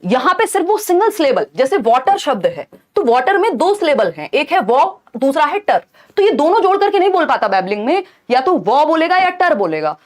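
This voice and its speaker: A woman with a high, bright-sounding voice teaches an exam-prep lecture. She explains each point step by step and keeps checking in with her students. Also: big pitch swings, a little fast.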